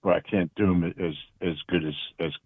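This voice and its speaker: Male co-host calling in: low, raspy, halting delivery over a phone line. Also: steady tone, no echo. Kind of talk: casual radio talk.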